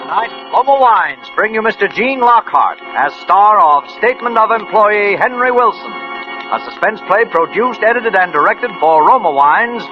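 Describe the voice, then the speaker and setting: A man's voice: high-pitched, expressive, normal speed, lo-fi sound, over music. A man making dramatic, formal 1940s radio announcements.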